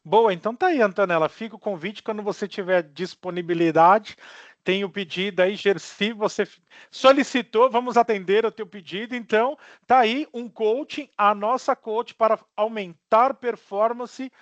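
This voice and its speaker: A man's voice: high voice, moderate pace, a bit bright, no echo. A man hosting an online meeting, upbeat and talking directly to his audience. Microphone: video call. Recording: dry, dull video call audio.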